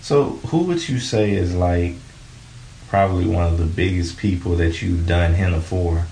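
A man hosts a casual interview and asks loose, rambling questions. His voice is very low with a gravelly edge. The room is echoey, with faint noise behind him. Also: normal speed, mellow. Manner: laid-back, filler-heavy questions.

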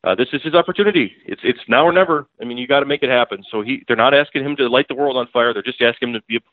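Speaking very fast in a mid-range voice, this newspaper beat writer is a guest on a casual podcast interview. His sound is dry, close and without room tone, yet thin and boxed in like a phone line. He is blunt and emphatic, repeating his points.

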